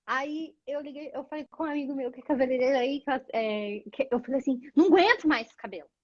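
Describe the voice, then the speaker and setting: A Brazilian woman, a guest on a live stream, telling stories in a casual, animated way and acting out the lines of the people in them. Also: sits high, fast, highs cut off. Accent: Brazilian Portuguese. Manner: animated storyteller, acts out dialogue.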